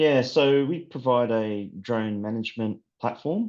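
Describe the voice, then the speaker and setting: A man speaks with an Australian accent and ordinary pitch variation against a quiet background. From Northern Australia. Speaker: drone software company founder. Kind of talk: interview. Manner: halting, many fillers.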